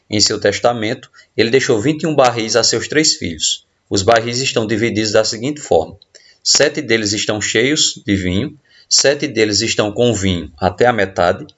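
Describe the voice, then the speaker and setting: A man's voice: mid-range voice, fairly bright tone. A man with a Brazilian Portuguese accent, a teacher walking students through riddles patiently, often checking they follow along. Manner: patient, explanatory, frequent tag questions. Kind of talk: recorded lesson explaining riddles. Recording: dull lo-fi audio.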